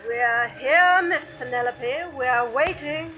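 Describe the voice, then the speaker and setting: Cold commanding dean, high voice, old radio play, muffled sound. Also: female voice, slow, music in the background. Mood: intoning. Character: stern domineering female school dean holding seance. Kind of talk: 1940s radio acting. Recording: dull old radio broadcast.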